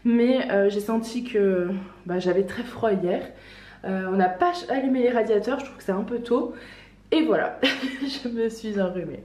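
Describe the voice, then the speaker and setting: A chatty woman with a slight cold, talking through outfits in a relaxed, rambling way full of little fillers. Her voice sits a touch high and sounds a bit roomy, like it was recorded in an echoey room. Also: normal speed. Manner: chatty, many fillers and restarts, light laughs. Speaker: online clothing shop owner. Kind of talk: casual fashion try-on vlog.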